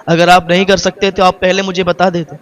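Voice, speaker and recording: A man's voice: sits high, flat delivery, natural voice. A man voicing a poor, heartbroken father who pleads tearfully and repeats himself in long lists. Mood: pleading.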